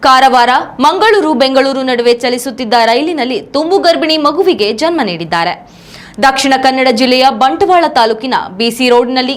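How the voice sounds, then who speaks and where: A woman's high-pitched voice with lively intonation, set against noticeable background noise. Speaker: TV news anchor. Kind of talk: TV news reading.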